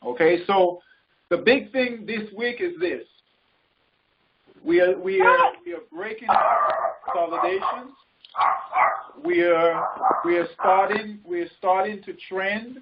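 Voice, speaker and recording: A man leading a group call as a coach, informally explaining things in halting, repeated phrases and often checking in. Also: high-pitched, expressive, creaky. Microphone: conference call line. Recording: muffled, noisy conference call audio with clicks.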